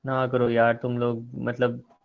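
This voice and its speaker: A man's voice: mid-range voice, monotone, slow pace, gravelly, narrow, tinny audio. A man giving an online class lecture, chiding and teasing his students.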